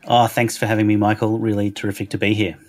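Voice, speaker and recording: A man's voice: fairly low pitch, flat delivery, fast talker, soft background music. A middle-aged Australian man with an Australian accent, a guest speaking thoughtfully in a casual interview, often restarting his phrases. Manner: thoughtful, restarts phrases, lists words in a row. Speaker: podcast guest, Anglican minister.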